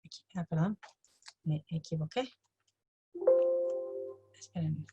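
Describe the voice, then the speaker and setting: A Mexican woman in her fifties giving a presentation on a video call, halting, with many fillers and restarts. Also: low voice, mellow, lo-fi sound, slight background noise. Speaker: bilingual education speaker. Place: small school room, indoors.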